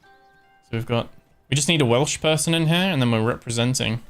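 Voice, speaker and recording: A man giving relaxed, casual commentary as he streams a strategy game, thinking aloud with frequent ums. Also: medium pitch, moderate pace, smooth, faint music behind. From born in Scotland, raised in Ireland. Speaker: live-streamer.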